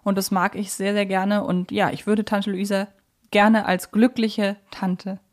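A woman's voice: medium pitch, flat delivery, unhurried. A woman co-hosting a podcast in a casual fan discussion, speaking in a reflective and opinionated way. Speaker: podcast co-host.

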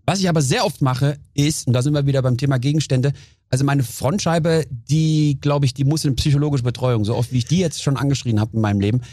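A man guesting on a podcast, telling lively stories in casual chat and briefly acting out his own outbursts. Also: mid-range voice, quick pace, no room sound, clean studio sound.

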